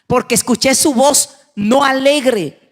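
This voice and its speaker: A woman pastor preaching a sermon, emphatic, moving between hushed passages and raised, urgent lines. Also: high-pitched, slow.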